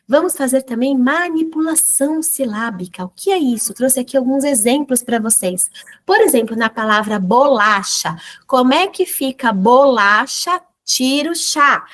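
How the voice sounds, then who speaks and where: A woman with a Brazilian accent, her voice sitting a little high, leads a recorded training lesson for teachers. She explains things patiently, asks rhetorical questions, and slowly sounds out example words syllable by syllable. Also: expressive, a bit bright. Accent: Brazilian Portuguese. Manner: didactic, addresses teachers directly with rhetorical questions.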